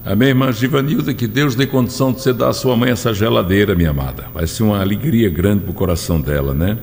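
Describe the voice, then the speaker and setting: A man's voice: fairly low pitch, gravelly, a little mellow. A man, a pastor, fervently reading out church members' testimonies on a broadcast, drawing out his phrases. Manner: fervent preaching, drawn-out phrases. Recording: long hall reverb with faint music.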